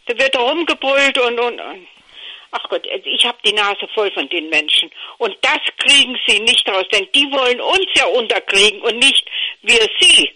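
Older woman, caller, higher voice, blunt, halting, phone-quality line. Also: animated, bright, forceful tone. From Cologne, Germany. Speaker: caller on a panel.

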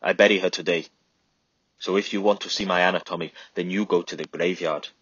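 A man's voice: sits low, fairly even intonation, brisk, fairly bright tone, breathy edge, no echo. A man voicing a bitter, grieving man who turns away the soldiers, in a storybook reading. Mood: bitter grief. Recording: dull lo-fi recording.

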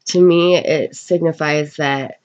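A woman's voice: deep voice, fairly even intonation, takes it slowly, darkish tone. Sniffly woman reading tarot, dull sound. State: getting over a bad cold, sniffly. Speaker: tarot reader. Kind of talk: casual tarot card reading. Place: indoors at a table in a room.

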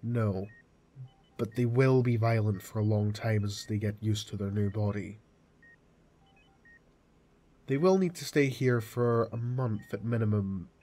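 A man playing a calm, formal hospital doctor in an audio drama, speaking in a measured, matter-of-fact way. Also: on the low side, natural voice. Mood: firm, formal. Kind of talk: amateur audio drama acting.

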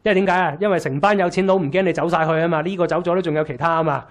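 A man's voice: a little high, steady tone, rapid-fire. A man in his thirties with a Hong Kong Cantonese accent gives a casual, wry lecture in a small room, full of rhetorical questions.

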